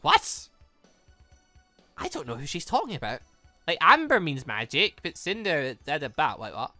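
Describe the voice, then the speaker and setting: A woman giving casual let's play commentary, reading game dialogue aloud and rambling as she thinks out loud with animated reactions. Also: deep voice, normal speed, dry recording, soft background music. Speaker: gaming channel host.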